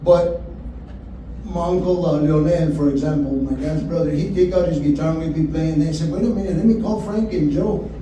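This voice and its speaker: With noticeable background noise and audible room echo, a man with a fairly high voice talks at a fairly quick pace and ordinary pitch variation. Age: 60s. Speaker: musician. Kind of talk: casual talk at a symposium panel. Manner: casual, halting.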